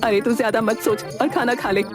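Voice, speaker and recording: A woman voicing a bossy, sharp-tongued middle-aged mother-in-law in a cartoon story, talking in a mocking, scolding way. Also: a little high, steady tone, fairly quick, pitched above the performer's own voice, close to an everyday voice. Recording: loud background music.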